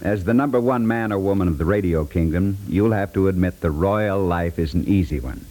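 A man's voice: low voice, brisk, warm tone. A man reading a scripted promotion as a polished network radio announcer in 1950s style.

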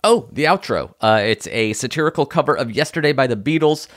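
A man's voice: mid-range voice, animated, a little fast, no room sound, studio quality. A man co-hosting a comedy podcast in casual, joking banter, often slipping into acted-out imaginary dialogue. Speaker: podcast co-host.

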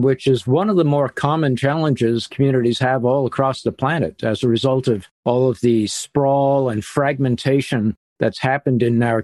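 A man's voice: medium pitch, darkish tone, dry recording. A middle-aged man as an interview guest, explaining earnestly with occasional fillers. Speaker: interview guest, urban planning author. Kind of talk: conversational interview.

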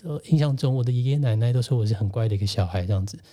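Podcast co-host, thirties, male, mellow mid-pitched voice, gentle reflective storyteller. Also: very fast. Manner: reflective, gentle, recounts childhood memories. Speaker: guest and co-host, facilitator. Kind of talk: casual personal storytelling.

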